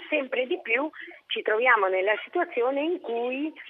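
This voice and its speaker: A woman speaks over noticeable background noise. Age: 60s. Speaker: pension institute executive. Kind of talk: radio interview.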